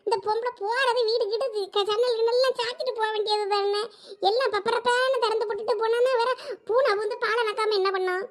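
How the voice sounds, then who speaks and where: A woman doing a complaining village housewife. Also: extremely high pitch. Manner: complaining, chatty.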